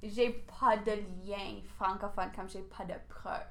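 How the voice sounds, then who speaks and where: A teenage girl from Alberta, a student whose first language is English, answering interview questions in a relaxed way with many fillers. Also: mid-range voice, measured pace. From Alberta, Canada. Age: teens. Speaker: student guest.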